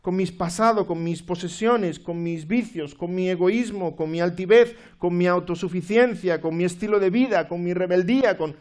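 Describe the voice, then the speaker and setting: A man's voice: sits high, normal speed, few pauses, a little mellow, pitched above the performer's own voice, close to an everyday voice. A man voicing a desperate drowning passenger who clings to his luggage, pleading and stubborn, in a sermon illustration.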